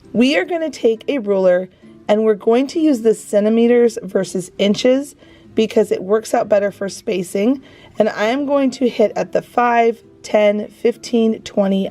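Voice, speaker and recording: A woman's voice: mid-range voice, dark tone. A woman who has lost her voice, hosting a do-it-yourself craft channel and talking viewers through each step in a friendly way. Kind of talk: DIY craft tutorial voice-over.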